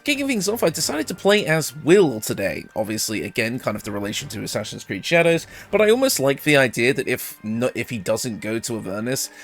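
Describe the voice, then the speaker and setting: A man's voice: mid-range voice, sing-song, fairly quick, hardly any pauses. A man giving a casual, conversational video game guide commentary, explaining things informally, his voice a bit ill and recovering from being lost. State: ill, voice recovering after losing it. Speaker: gaming video creator presenting a character build guide.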